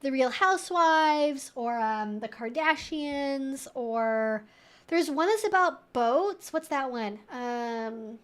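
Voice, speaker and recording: High-pitched woman chatting casually. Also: expressive, takes it slowly, a bit bright. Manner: rambling, informal, frequent "like" and swearing. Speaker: livestream host. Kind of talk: casual chat on a livestream Q&A.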